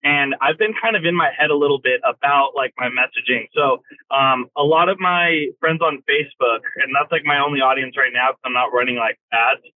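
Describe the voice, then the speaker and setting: A man who works as a real estate agent asks a question on a phone call from his car while driving, talking haltingly with many fillers. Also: mid-range voice, no echo. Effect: phone call from a moving car. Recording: tinny phone line, dry.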